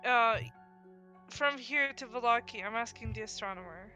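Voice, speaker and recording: A woman's voice: a little high, moderate pace, dull audio, music in the background. A woman in her twenties playing in a tabletop game, asking eager questions in casual chat. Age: 20s. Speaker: player.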